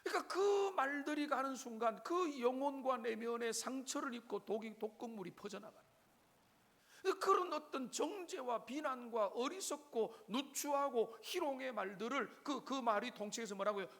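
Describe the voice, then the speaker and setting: A man's voice: extremely high pitch, expressive, moderate pace, a bit bright. A man preaches a Sunday sermon in his church. He speaks straight to the congregation. He asks them question after question. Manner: preaching with frequent direct address to the congregation and rhetorical questions. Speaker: pastor. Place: church sanctuary.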